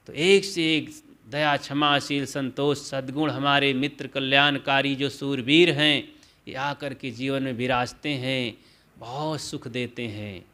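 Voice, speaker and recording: A man's voice: fairly high pitch, bright, forceful tone, smooth. A man giving a sermon, declaiming and listing vices and virtues one word at a time. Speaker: preacher.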